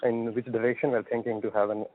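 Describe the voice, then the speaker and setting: Flat-toned Indian man calling by phone. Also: mid-range voice, fast talker. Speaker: caller asking a question. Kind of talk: polite question on a business call. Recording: tinny, band-limited phone line.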